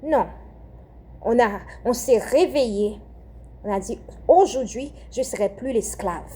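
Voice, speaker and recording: A woman's voice: fairly high pitch, measured pace, mellow, slightly rough. A young Haitian-born woman with a French accent giving a fervent spoken prayer message, repeating phrases and often restarting her sentences. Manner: fervent, repetitive, with hesitations and restarts.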